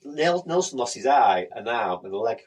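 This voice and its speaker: A man's voice: medium pitch, sing-song, normal speed, darkish tone. A man co-hosting a podcast, chatting casually with dry, matter-of-fact teasing. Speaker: podcast co-host. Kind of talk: casual chat.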